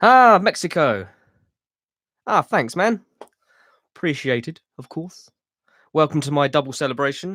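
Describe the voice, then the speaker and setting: A man with an English accent speaks at a fairly slow pace, leaving long, frequent pauses, his bright, sharp tone moving through very wide pitch swings. The recording is very clean against a silent background. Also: big swings in loudness, dry, close sound with no echo. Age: 60s. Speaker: guitar YouTuber. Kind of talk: live stream chat. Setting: live stream. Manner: casual. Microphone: not studio mic.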